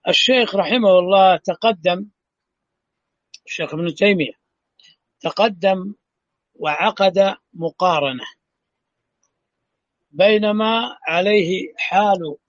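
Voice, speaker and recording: A man teaching an online class as the sheikh, speaking calmly and patiently. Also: high voice, slow pace, long pauses, dry recording, muffled recording. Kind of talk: online lesson, checking the audio.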